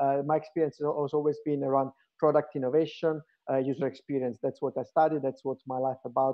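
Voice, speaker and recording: A man with an Italian accent and a monotone, flat intonation. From Italy. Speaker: startup founder. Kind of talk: startup pitch. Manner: hesitant, many fillers.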